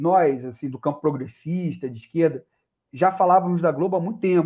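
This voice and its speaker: A man's fairly high voice carries ordinary pitch variation at a moderate pace. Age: 40s. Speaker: podcast host. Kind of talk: casual political discussion. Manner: halting.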